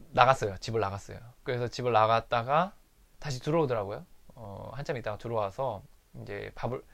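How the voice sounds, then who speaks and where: A man candidly recounting a fight with his wife in a personal recovery diary monologue. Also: mid-range voice. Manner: candid, confessional storytelling.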